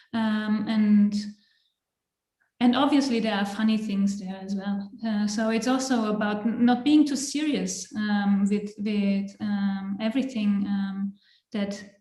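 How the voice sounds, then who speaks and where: A woman's fairly high, fairly even voice at a fairly slow pace, with audible room echo. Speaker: artist and architecture lecturer. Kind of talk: panel talk interview. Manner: hesitant, many fillers.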